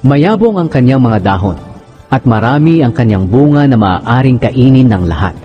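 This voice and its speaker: A man narrating scripture in a measured, solemn, scripted style, with music underneath. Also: medium pitch, dull audio. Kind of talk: scripted dramatized Bible narration.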